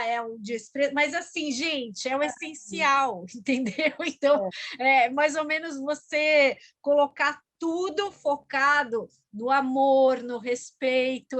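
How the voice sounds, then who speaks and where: A woman speech therapist from Brazil, explaining in a measured way during a panel talk. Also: sits high, fairly bright tone, dry recording.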